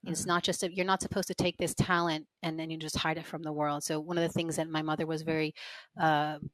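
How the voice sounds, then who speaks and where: A woman's voice: low-pitched, level tone, fairly quick, no room sound. A woman guest in a conversational interview, telling stories in an earnest, reflective way. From lives in Israel. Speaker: interview guest, finance professional.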